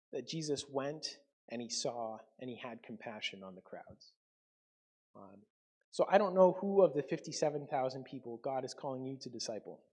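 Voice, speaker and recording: Husky-voiced man preaching a casual sermon. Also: mid-range voice, a little mellow. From Canada. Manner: conversational, with frequent ums and self-corrections. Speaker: pastor.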